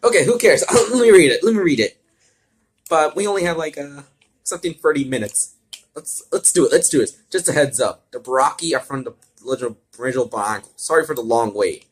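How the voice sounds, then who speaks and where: A man's voice: a little high, lively intonation, brisk, slightly rough. A man reading fan fiction aloud as an amateur, stumbling over words, repeating and correcting himself and adding his own asides.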